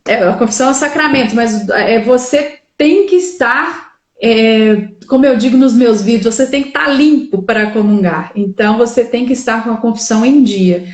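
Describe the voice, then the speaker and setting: A woman talks hesitantly, stammering and correcting herself as she goes. Her voice is fairly high. It sounds roomy and echoey on an online stream. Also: normal speed, darkish tone. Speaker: book club co-host and video maker. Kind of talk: casual religious discussion.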